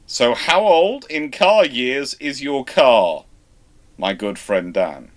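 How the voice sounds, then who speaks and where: A British man hosting a live question-and-answer stream on naval history, chatting casually and teasing a co-host, with loud animated bursts of emphasis. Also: medium pitch, slow pace. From Britain. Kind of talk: live Q&A chat.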